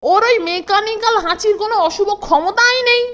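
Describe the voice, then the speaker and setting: Eager, very high-pitched cartoon boy. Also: brisk, fairly bright tone. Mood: impatient. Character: eager, bossy, impatient young cartoon boy. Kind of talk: children's cartoon voice acting.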